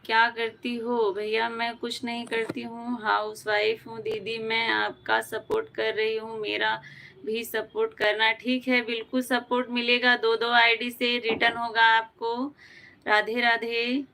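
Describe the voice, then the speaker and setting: A woman's voice: fairly high pitch, completely flat delivery, a little slow, gravelly, sharp tone. A woman from Uttar Pradesh hosting a live stream, chatting casually, greeting viewers by name and answering their comments. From Uttar Pradesh, India.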